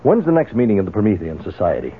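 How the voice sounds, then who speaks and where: An actor playing a determined, vengeful man in a radio drama, insistent and persuasive, with a husky voice. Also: lowish voice, wildly swooping pitch, fast talker, exaggerated voice. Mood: urgent. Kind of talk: 1970s radio drama acting. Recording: narrow, phone-like old radio sound.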